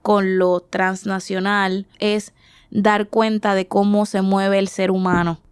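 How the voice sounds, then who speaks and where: Speaking slowly with a level tone, a woman at medium pitch sounds clear and resonant on a dry recording. She is an artist guest in her forties from the Dominican Republic, answering interview questions in a thoughtful way, searching for words and frequently restarting.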